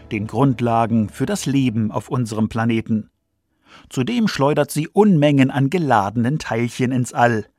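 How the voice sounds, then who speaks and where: A man's voice: medium pitch, a little mellow, dry recording. Brief: male narrator for a scripted science radio feature, mid-range voice, light music underneath.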